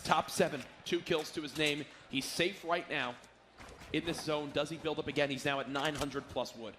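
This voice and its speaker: A man casts an esports match live in a somewhat high-pitched voice. He follows the play and explains tactics for the viewers. Clear game noise and gunfire run behind his voice. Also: fairly even intonation, moderate pace. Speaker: esports caster.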